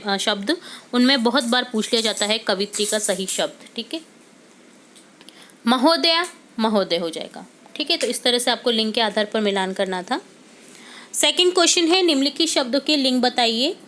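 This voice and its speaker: A woman teacher with a somewhat high voice goes through a workbook answer by answer. She explains patiently, step by step, and keeps checking in with her students as she moves from one item to the next. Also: pushed and bright. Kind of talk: worksheet solution lesson.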